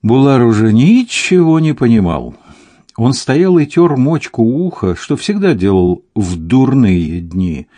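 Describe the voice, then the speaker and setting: A man narrating an audiobook in an even, measured reading. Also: medium pitch, no echo. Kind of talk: scripted narration.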